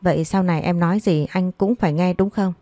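A sharp-tongued young woman fires quick retorts at her boyfriend, as a woman reader plays her. Her voice is mellow and a little low, close and dry on the recording. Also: fairly even intonation, no echo, lightly acted. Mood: sassy.

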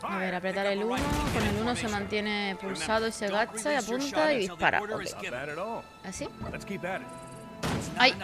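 A woman's voice: medium pitch, moderate pace, long pauses. A woman giving casual gameplay commentary. She sounds tired and sleepy, chats freely, swears often and cries out dramatically for help during fights. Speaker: gameplay streamer. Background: game music.

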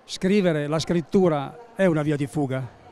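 A man in his sixties interviewing guests at an exhibition stand, asking brisk, friendly questions. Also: a little high, warm tone. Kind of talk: interview at a book fair stand. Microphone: handheld mic.

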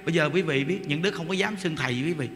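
High bright monk preaching. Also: male voice, very fast. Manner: folksy, acts out blunt dialogue with listeners. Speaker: Buddhist teacher. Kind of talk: dharma talk sermon. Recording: long hall reverb, faint noise.

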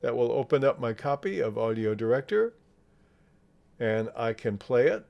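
Man narrating a software tutorial. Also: medium pitch, expressive, moderate pace, vocal fry, muffled recording. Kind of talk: step-by-step screen tutorial narration.

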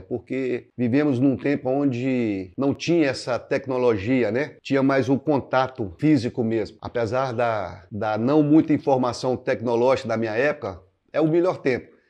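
A man in his sixties, a pastor from Minas Gerais, speaks in a middle-pitched voice. He talks slowly and reflectively, pausing to search for words and often adding little tag questions. He is close on a lapel mic in a quiet living room. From Minas Gerais, Brazil. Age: 60s. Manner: unhurried, searching for words, frequent "né" fillers, gestures with both hands. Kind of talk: reflective interview answers to camera. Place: indoors, living room with paintings. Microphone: clip-on lapel mic.

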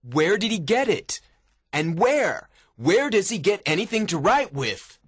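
A stern, demanding prison warden, acted by a male narrator in an audiobook. He is insistent and baffled, with a husky voice that moves in big swings. The sound is very dry. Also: mid-range voice, sing-song, unhurried, a bit bright, dry recording, exaggerated voice. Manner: insistent, questioning, exclamatory.

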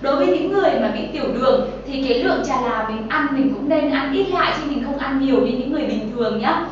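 A woman's voice: high voice, expressive, quick pace, very echoey, recorded from a distance, lo-fi sound, a little hiss or hum. A young Vietnamese woman presenting a healthy-drink tutorial in a kitchen studio, chatty and full of filler sounds, talking straight to viewers. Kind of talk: cooking and nutrition tutorial. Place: bright kitchen studio set, indoors.

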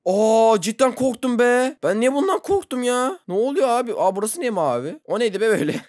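A gaming YouTuber giving casual let's-play commentary, excitable, laughing often and yelping when startled. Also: mid-range voice, brisk, no room sound, studio quality.

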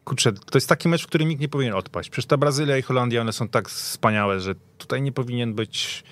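A man's voice: medium pitch, quick pace, a bit bright, no echo. A man on a sports panel, reminiscing casually in conversation, recorded in a radio studio. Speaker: football podcast panelist.

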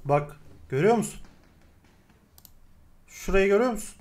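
A man's voice: sits high, animated, normal speed, darkish tone. A man hosting a casual chat, playful and teasing, pointing things out to his co-host. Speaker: show host.

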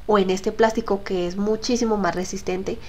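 A woman's voice: mid-range voice, fairly even intonation, normal speed. A young woman, talking viewers through her kitchen organizing in a casual, chatty voice-over full of asides and fillers. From Colombia. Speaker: home vlogger.

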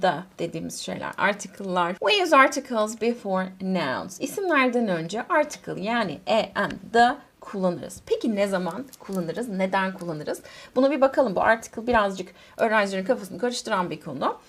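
A woman from Turkey teaching an English grammar lesson, explaining in Turkish, reading English examples slowly and asking the class questions she then answers herself. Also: mid-range voice, sing-song, a bit bright.

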